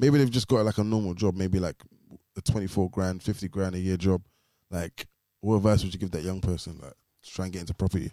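Very fast male speech, very deep and low in pitch, with a dark, mellow tone, fairly even intonation and a dry, close sound with no echo. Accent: London. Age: 30s. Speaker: podcast host and youth mentor. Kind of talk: casual interview chat.

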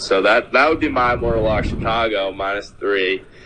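A man's normal speaking voice with an American accent, medium pitch, ordinary pitch variation, and a moderate pace. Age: 20s. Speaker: sports fan guest co-host. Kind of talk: casual chat.

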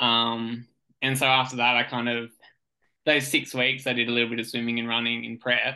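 Speaking with an Australian accent, a man talks at a fairly quick pace in a medium pitch with monotone, flat intonation. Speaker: professional triathlete and former pro cyclist. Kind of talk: casual chat.

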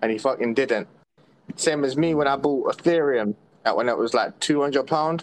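With a London accent, a man speaks at a fairly high pitch and moderate pace. His pitch variation is ordinary and his loudness very even. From East/North London. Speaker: listener caller, young father. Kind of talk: casual chat.

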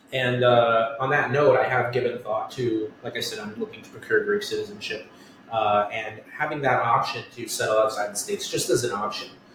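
A man talks at a fairly quick pace with an American accent. Noticeable background noise runs throughout. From New York (Westchester). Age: 30s. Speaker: tech entrepreneur. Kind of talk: casual interview.

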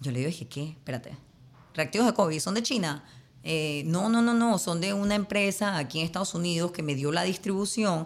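A woman at a moderate pace, fairly low in pitch, with ordinary pitch variation. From Panama. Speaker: entrepreneur. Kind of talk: interview.

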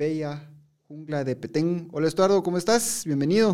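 In a Guatemalan accent, a man speaks with a dark, mellow tone. His intonation is lively. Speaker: podcast host. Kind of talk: casual interview. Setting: studio.

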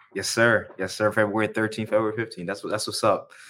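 A man with an American accent and monotone, flat intonation, in a very clean recording with a silent background. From US South (Alabama). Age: 20s. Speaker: mental health survivor. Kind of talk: casual interview. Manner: halting, many fillers.

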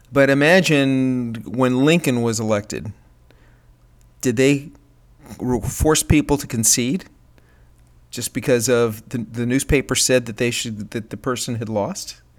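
Recorded very cleanly with a silent background, a man speaks at a fairly slow pace and medium pitch. He leaves long, frequent pauses and uses ordinary pitch variation. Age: 60s. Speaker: podcast host, entrepreneur. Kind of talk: political commentary monologue. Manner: hesitant, with many fillers.

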